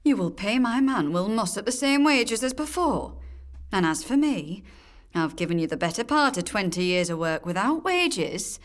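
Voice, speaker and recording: A woman's voice: medium pitch, big pitch swings, normal speed, lightly acted. A woman playing a strong-willed, forthright working-class daughter in a radio drama monologue. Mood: defiant, firm. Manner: firm, forthright, bargaining. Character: blunt, strong-willed working-class northern English daughter standing her ground.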